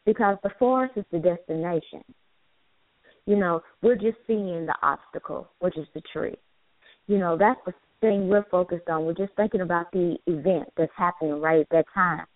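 A woman with a voice on the low side speaks at a normal speed with no echo, over a dry, tinny phone line. She co-hosts a motivational call-in show, sounding preachy and encouraging, repeating phrases and filling gaps with "you know."

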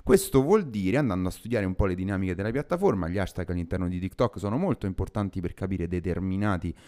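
A man's voice: low voice, lively intonation, fast talker, warm tone. Guy co-hosting a chill podcast, chatty, laughs a lot. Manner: chatty, laughs often, reads out news. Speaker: podcast co-host. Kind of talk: casual news chat.

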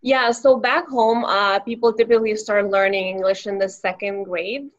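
A woman's voice: mid-range voice, fairly even intonation, normal speed, lo-fi sound. Young Lithuanian woman, interview guest. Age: young adult. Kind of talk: casual interview answers.

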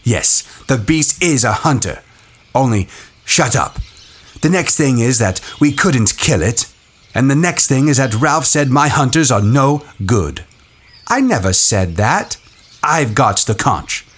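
A man voicing a headstrong, contemptuous boy in an audiobook, talking forcefully and insistently. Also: medium pitch, big pitch swings, a little slow, breathy edge, pitched above the performer's own voice, exaggerated voice. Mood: scornful. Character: headstrong boy hunter leader, contemptuous and defiant.

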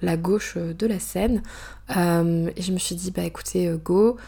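A young woman from France tells a personal story in a loose, chatty monologue. Her voice sits a little low for a woman. She pauses often, fills gaps with hesitations and drops in quick asides. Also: fairly even intonation, vocal fry, warm tone, breathy edge. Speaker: author telling a personal story.

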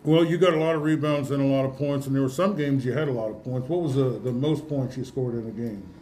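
A man hosting a casual sports awards interview, folksy and halting, often repeating himself as he goes. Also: medium pitch, mellow, a little hiss or hum, low-quality recording. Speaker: radio host interviewing award winners.

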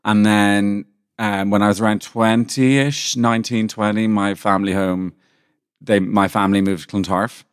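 A man with a posh Dublin accent, a podcast guest chatting casually in a camp, animated way. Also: fairly low pitch, normal speed, clean tone, dry recording, studio quality. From Ireland. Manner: camp, animated, swears freely. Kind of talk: casual chat.

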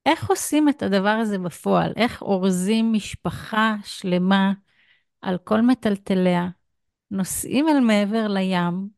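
A woman's voice: medium pitch, gravelly, a little mellow, clear, resonant tone, no echo, clean studio sound. A woman with an Israeli accent hosting a conversational podcast interview. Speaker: podcast host.

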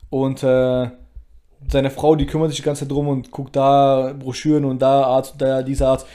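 A man's voice: medium pitch, monotone, moderate pace, mellow. A young man co-hosting a podcast in casual chat, blunt and full of street slang. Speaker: podcast co-host.

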